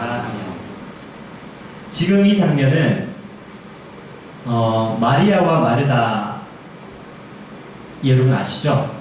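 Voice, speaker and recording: A man's voice: medium pitch, a little mellow, a little hiss or hum. Man preaching in an echoey hall. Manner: conversational, asks the congregation questions. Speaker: junior pastor. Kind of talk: sermon. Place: church sanctuary. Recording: echoey church hall, mic far off.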